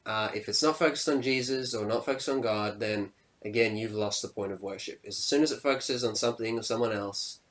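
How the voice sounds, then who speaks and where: A young man hosting a casual podcast discussion, upbeat and quick to laugh, often acting out reactions. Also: on the low side, fairly bright tone. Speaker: podcast host.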